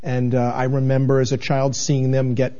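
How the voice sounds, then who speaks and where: A man in his sixties from New England tells his story in an earnest, meandering way, stopping to restart his sentences. His voice is mellow and dark. The recording sounds a little dull and muffled. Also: medium pitch, monotone, normal speed. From New England, United States. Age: 60s. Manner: earnest, rambling, with many restarts and fillers. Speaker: television station manager, guest. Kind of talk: candid interview conversation.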